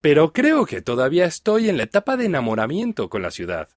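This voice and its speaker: A middle-aged man from Mexico with a Mexican Spanish accent, reading a first-person text aloud for language learners in a clear, even delivery. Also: fairly high pitch, fast talker, dry recording, studio quality. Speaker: reader of a listening text.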